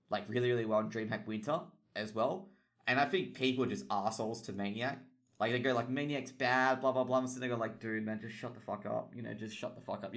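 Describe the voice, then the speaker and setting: Here a young Australian man who casts esports and hosts streams gabs about tournament news, meandering, swearing often, and packing in fillers. He speaks in a mid-range voice that's a bit bright.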